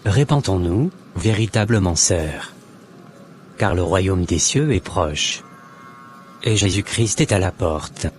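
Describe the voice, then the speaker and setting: A man's voice: low voice, animated, takes it slowly, slight background noise. A man playing an earnest, solemn born-again Christian with a preachy, formal manner in an amateur cartoon. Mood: solemn, admonishing.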